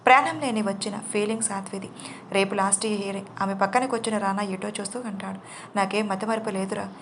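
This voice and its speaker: A woman narrating a romantic drama story in an even storytelling manner. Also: medium pitch, quick pace, a little hiss or hum.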